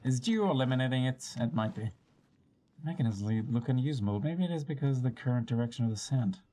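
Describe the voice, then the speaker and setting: Very low-pitched woman streaming a game, sweary. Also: expressive, fast talker, mellow. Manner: sweary, playfully exasperated, thinking aloud. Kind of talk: casual gameplay commentary, talking to self.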